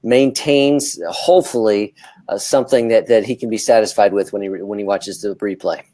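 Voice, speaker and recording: Halting man co-hosting, dry close sound. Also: fairly low pitch, fairly even intonation, warm tone, no room sound. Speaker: co-host. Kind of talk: casual live talk show chat.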